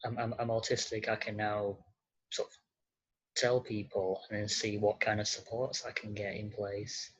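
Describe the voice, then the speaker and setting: A podcast guest with a masculine-sounding voice answers conversationally in a halting, hesitant way, on slightly muffled audio. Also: medium pitch, level tone, slightly rough.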